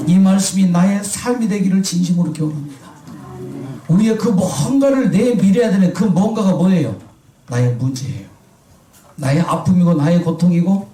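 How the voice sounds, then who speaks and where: Pastor preaching in an echoey hall. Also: male voice, on the high side, mellow, far from the mic. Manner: asks the congregation questions and answers himself. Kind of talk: sermon.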